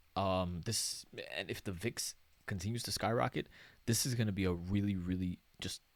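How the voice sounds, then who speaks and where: A very deep, low-pitched man at a moderate pace with ordinary pitch variation, in a very clean recording with a silent background. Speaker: stock market analyst. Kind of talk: market analysis commentary.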